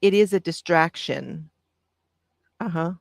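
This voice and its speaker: A woman with a soft, calming voice talks gently through breathing exercises on a live stream. Her tone has a slight gravelly edge, and the sound is dry and close. She pauses often and answers viewers as she reads along. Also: lowish voice, no room sound. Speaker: craft channel host.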